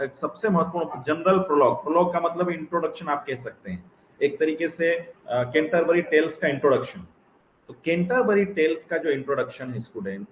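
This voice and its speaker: A man's voice: a little high, highs cut off. A man teaching literature as an exam-prep lecture, explaining step by step and often calling out to the student, mixing English phrases into his speech. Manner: mixes English phrases into Hindi. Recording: echoey room with faint noise.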